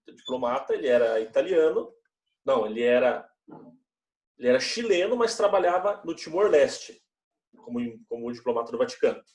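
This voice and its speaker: A man's voice: medium pitch, darkish tone. Chatty young male teacher, echoey room. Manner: conversational, chatty, frequent "né?". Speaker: religious education teacher. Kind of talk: classroom talk to students. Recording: echoey room, mic at a distance.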